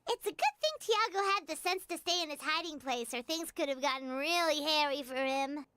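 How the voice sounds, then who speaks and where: A woman's voice: high-pitched, animated, brisk, sharp tone. A woman voicing a tiny, cheerful female fairy companion in a video game, talking in a bubbly, chatty way. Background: game music.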